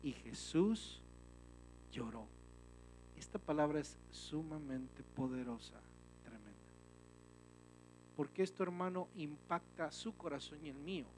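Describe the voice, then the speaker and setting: A male pastor delivers an emphatic sermon, his slightly high voice rising loud and then dropping to a hush. He often turns to his listeners and calls them brother. A faint hum of background noise runs underneath. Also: expressive, a little slow, pauses often, poor audio. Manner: emphatic, with swings from loud to hushed; often addresses listeners as "hermano".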